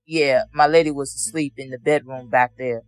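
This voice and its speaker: A man's voice: mid-range voice, fairly even intonation, moderate pace, no room sound. A man giving courtroom testimony as a witness, answering in a plain, matter-of-fact way.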